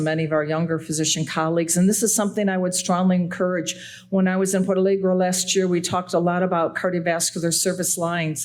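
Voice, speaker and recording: In a Chicago accent, a woman rattles along at a very fast pace with hardly any pauses, a fairly low pitch, monotone, flat intonation and very even loudness, with audible room echo. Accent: Chicago American English. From US Midwest, Chicago. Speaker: cardiology association president, former nurse. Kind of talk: conference keynote speech. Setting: conference auditorium.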